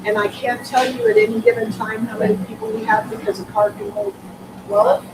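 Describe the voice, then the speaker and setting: A woman who works at a shelter agency, answering questions at a community meeting in a loud, animated way that often restarts mid-sentence. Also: fairly high pitch, brisk. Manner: animated, self-interrupting answers. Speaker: shelter program staff. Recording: distant mic with background noise.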